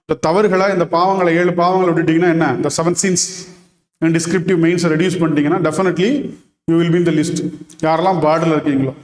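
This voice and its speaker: A man with a Tamil accent, teaching an exam-prep lesson in Tamil mixed with English, who reads model answers out slowly. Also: on the high side, little pitch movement, roomy sound, in a large hall.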